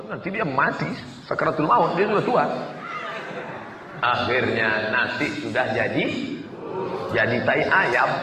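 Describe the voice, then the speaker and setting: A man preaching a lively sermon, telling stories, acting out dialogue and breaking into shouts and jokes with the audience. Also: mid-range voice, a little hiss or hum. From Riau, Indonesia. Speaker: preacher and university lecturer. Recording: echoey hall, voice from far off.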